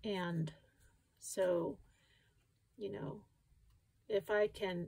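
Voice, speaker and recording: A woman mumbles in a somewhat breathy voice with ordinary pitch variation against a quiet background. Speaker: watercolor sketch artist. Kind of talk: casual tutorial talk while drawing. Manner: hesitant, mumbling with many fillers. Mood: calm, reflective. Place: home room. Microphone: phone near.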